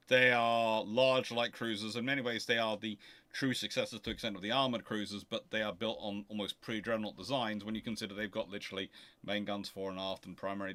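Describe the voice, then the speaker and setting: A man's voice: lowish voice, dry recording. A man hosting a casual history question-and-answer stream, explaining things emphatically and often correcting himself mid-sentence. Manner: emphatic, animated argumentative explaining with self-corrections. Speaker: host of a naval history question show. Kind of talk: casual livestream Q&A with rambling explanation.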